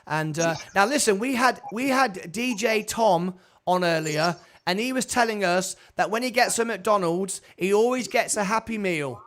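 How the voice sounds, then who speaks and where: A chatty male host running a live call-in show, talking in a high, light voice. He rattles on, repeats phrases and trips over his words as he keeps things moving. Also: normal speed, a bit bright. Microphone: video call.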